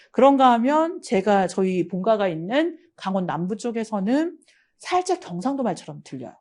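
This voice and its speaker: A middle-aged woman teaching an exam-prep lecture, talking in a warm, chatty way and bringing in stories from her own life. Her voice sits at an ordinary pitch, and her delivery stays lively and conversational. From Gangwon Province, South Korea. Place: lecture studio.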